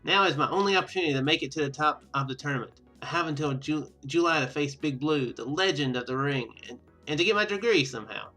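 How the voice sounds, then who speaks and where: A young fighter heroine from a visual novel , read out by a man. The voice is bright and a bit high, earnest and confiding, with game music faintly underneath. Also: fast talker, few pauses. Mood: earnest, determined. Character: determined young female student, secret masked fighter.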